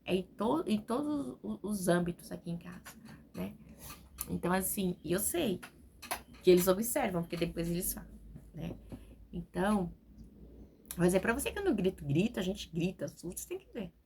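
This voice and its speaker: A woman's voice: lowish voice, expressive, normal speed, long pauses, a little mellow, slight background noise. A woman in her forties, a preacher, speaking from home and giving a spontaneous, talkative testimony sermon that is full of "né?". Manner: spontaneous, talkative, keeps adding "né?".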